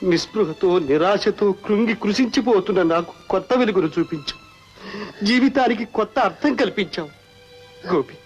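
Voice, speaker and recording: An actor as a deeply moved young master. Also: male voice, natural voice. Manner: declamatory, emotional. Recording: dull old film soundtrack.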